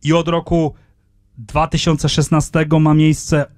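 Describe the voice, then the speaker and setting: Man lecturing with a hesitant, measured delivery. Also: on the high side, level tone, a little mellow, no echo, clean studio sound. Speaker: conference speaker. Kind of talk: academic conference lecture. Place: lecture room, indoors. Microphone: handheld microphone.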